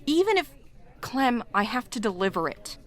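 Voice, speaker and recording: A woman's voice: fairly high pitch, sing-song, normal speed. A woman playing a blunt, sardonic, protective courier in naturalistic audio drama dialogue. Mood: dry, curt. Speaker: lead actor in audio drama.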